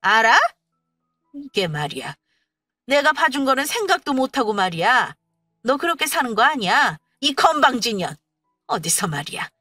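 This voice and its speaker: 여성이 연기하는 시어머니가 경멸조로 며느리를 몰아세웁니다. 목소리가 약간 높고 억양이 크게 오르내리며, 음악이 깔린 건조한 녹음입니다. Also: female voice, fairly high pitch, sing-song, normal speed, pauses often, sharp tone, dry recording, faint music behind, pitched above the performer's own voice, full character voice. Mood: scornful scolding. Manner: scolding, contemptuous. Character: domineering spiteful older woman, a mother-in-law.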